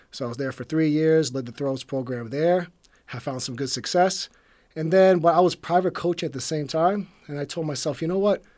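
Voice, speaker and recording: A man with an American accent speaks fairly quickly at a fairly high pitch, with a dark, mellow tone. His pitch varies in an ordinary way, and the recording is very clean with a silent background. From Boston, Massachusetts. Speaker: track and field coach. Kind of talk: interview.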